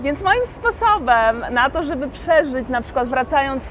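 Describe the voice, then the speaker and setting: A woman speaks at a fairly slow pace with ordinary pitch variation. Noticeable background noise runs behind her. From Poland. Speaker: vlogger. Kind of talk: casual vlog monologue.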